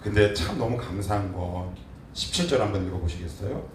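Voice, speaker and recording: A man preaching a sermon as pastor, animated, acting out quotes and asking the congregation questions. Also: deep voice, a little fast, a little hiss or hum. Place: church sanctuary. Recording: echoey church hall, mic at a distance.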